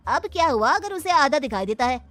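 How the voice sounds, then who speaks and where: A woman's voice: high voice, animated, fairly quick, fairly bright tone, dry recording. A woman voicing a scheming older man, a bride's wealthy father, who taunts and gloats in a cartoon. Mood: gloating. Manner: smug, taunting. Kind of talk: cartoon voice acting.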